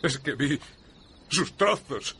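A shaken, grim rider. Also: male voice, fairly high pitch, lively intonation, slow pace, pushed and bright, a little hiss or hum, heavily acted. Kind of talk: dubbed TV drama.

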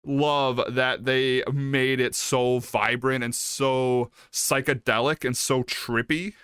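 A man's voice: medium pitch, little pitch movement, takes it slowly, a bit bright, clean tone, no echo, clean studio sound. A man chatting casually as a co-host reviewing a film, emphatic and given to repeating words. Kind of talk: casual chat.

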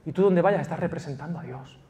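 A man from Spain preaching a passionate sermon as pastor of a church, swinging from loud emphasis to quiet intimacy. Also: fairly high pitch, fast, lo-fi sound. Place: church in Valencia.

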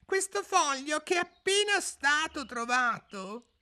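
A man voicing a jittery male white rabbit herald in a very high, squeaky falsetto, in a storybook reading. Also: very animated, measured pace, bright, forceful tone, heavily acted. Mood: fussy.

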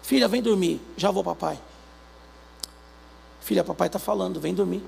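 A Brazilian pastor preaching a sermon, acting out little dialogues between God and believers in an animated way. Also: male voice, high-pitched, normal speed, creaky, slight background noise. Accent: Brazilian Portuguese.

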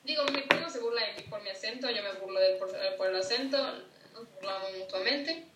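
Young Yucatecan woman in an echoey room. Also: medium pitch. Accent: Yucatecan Spanish. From Yucatán, Mexico. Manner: chatty, teasing, quick to laugh. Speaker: podcast guest. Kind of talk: casual chat. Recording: echoey room, distant mic, faint noise.

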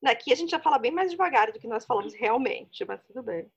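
A woman's voice: fairly high pitch, animated, fast talker, highs cut off. A woman from Brazil, co-hosting a casual chat podcast, chatty and laughing often. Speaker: podcast co-host.

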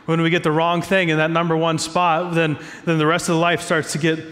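A man's voice: a little high, completely flat delivery, fairly quick, a bit bright, in a large hall. A man preaching a sermon as pastor, stuffy from a cold, talking in a conversational, self-joking way from a church stage.

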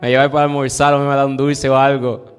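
Folksy pastor telling a family story. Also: male voice, medium pitch, level tone, smooth, long reverb tail, faint music behind. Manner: folksy, slow emphatic delivery. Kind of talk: bilingual storytelling sermon. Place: church.

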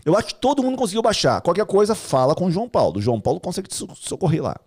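A man hosting a live stream, slangy and animated. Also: sits high, very fast. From Brazil. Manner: slangy and animated, says "cara" and "bicho". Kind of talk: casual live-stream chat.

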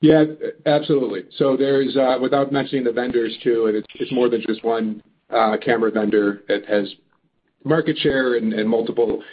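A man answering as a company executive on an earnings call, halting but upbeat and emphatic. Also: medium pitch, steady tone, a little hiss or hum. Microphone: phone or conference call line. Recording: muffled narrow phone line.

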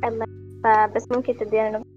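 A woman host, talking briskly over an online call on a bad connection that keeps cutting out. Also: a little high, flat delivery, soft background music. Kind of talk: online panel hosting. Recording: dull lo-fi call audio.

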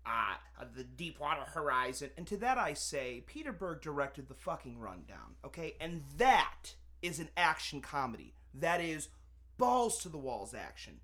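A man co-hosting a casual movie review podcast, animated and sarcastic, swearing and acting out scenes. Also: on the high side, normal speed. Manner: animated, sarcastic, swears, acts out quotes loudly. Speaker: podcast co-host.

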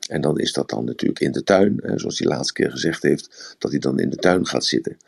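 A man's voice: rumbling low, animated, a little fast, vocal fry, darkish tone, husky. A man giving a rambling, explanatory talk on communication in a live audio room, often repeating words. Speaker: speaker on communication.

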